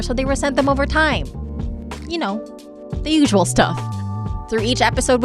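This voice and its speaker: Woman podcaster doing a promo read, slightly high voice, music behind her. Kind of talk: scripted podcast promo narration. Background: clear music.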